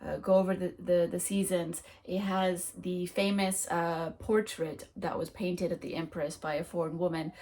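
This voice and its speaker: A woman's voice: on the low side, level tone, normal speed, few pauses, mellow, a little hiss or hum. Rambling woman full of ums. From United States. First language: French. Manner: rambling, with frequent ums and restarts. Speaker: book vlogger. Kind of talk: casual monthly reading wrap-up.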